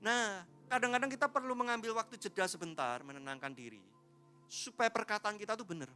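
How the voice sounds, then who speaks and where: Bright, lively male preacher. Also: high voice, fairly quick, smooth, soft background music. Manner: lively, joking, acts out quoted people; talks straight to the congregation. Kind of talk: sermon. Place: church service.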